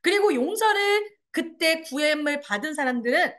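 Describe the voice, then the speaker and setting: Teaching parenting to an audience of parents and kids, this lecturer performs dialogue in over-the-top voices and poses questions she then answers herself. She sounds high, animated and a bit bright at a moderate pace.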